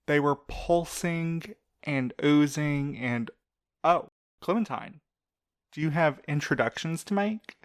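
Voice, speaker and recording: A man's voice: on the high side, takes it slowly, dry recording, clean studio sound. A man playing a playful, teasing, dramatically squeamish courier in an audio drama. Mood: disgusted. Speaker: voice actor.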